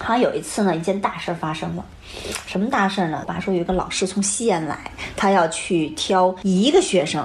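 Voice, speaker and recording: A woman speaks in an animated tone with ordinary pitch variation. Audible room echo and noticeable background noise fill the recording. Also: medium pitch for a woman, fairly quick pace. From northern Shaanxi (Yan'an), China, Beijing parents. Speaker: martial arts choreographer and actress. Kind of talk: interview storytelling.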